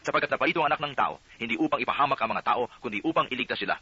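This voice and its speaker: Brief: calm authoritative male teacher, read by a male narrator, bright brisk voice, lo-fi sound. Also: medium pitch, husky, no echo. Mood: solemn. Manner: solemn, teaching cadence. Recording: dull lo-fi audio.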